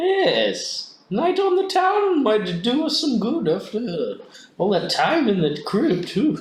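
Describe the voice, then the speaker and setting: A put-on character voice moves at a fairly slow pace with very wide pitch swings and a slight echo. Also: man, extremely high pitch for a man. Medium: actual play. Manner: formal, mannered phrasing.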